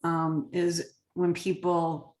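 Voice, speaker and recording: An echoey room carries a woman's slightly low voice as she talks shop in an interview. She is a real estate agent from Connecticut, speaking conversationally as a guest. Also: little pitch movement, extremely slow, a little mellow. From Connecticut, United States. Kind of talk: conversational interview about work systems. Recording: roomy echo.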